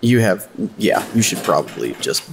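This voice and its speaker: A man's voice: lowish voice, sing-song, normal speed, creaky, a little hiss or hum. A man playing a sarcastic, awkward, chatty guy who rambles through small talk in an audio drama. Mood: sarcastic, rambling.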